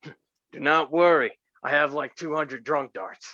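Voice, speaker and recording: A man's voice: a little high, unhurried, bright, forceful tone, no room sound, dull audio. A man reading a character's dialogue in an amateur staged reading.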